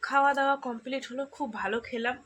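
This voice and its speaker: Tired, hoarse woman vlogging while feverish. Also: sits high, steady tone, noisy background. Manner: soft, slow and tired. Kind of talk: casual chat to viewers. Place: home at night.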